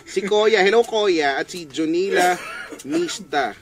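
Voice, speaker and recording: A man's voice: fairly high pitch, background noise. A man with a Filipino accent working as a radio DJ, bantering and greeting listeners in a giggly, playful way. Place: small radio studio. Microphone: studio boom mic with headphones.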